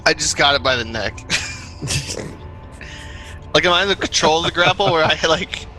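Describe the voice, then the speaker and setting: A man's voice: a little high, animated, normal speed, bright, forceful tone, faint music behind, low-quality recording. A man chatting casually as a player in a tabletop game, joking and swearing. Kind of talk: casual chat during a game.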